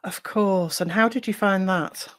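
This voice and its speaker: A woman's voice: mid-range voice, measured pace. Woman hosting an interview podcast. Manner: warm, encouraging questions. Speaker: podcast host.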